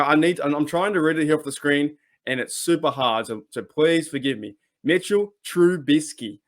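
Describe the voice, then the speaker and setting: A man with an Australian accent hosting a sports talk channel, chatting casually and rambling with many restarts. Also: fairly high pitch. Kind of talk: casual solo commentary.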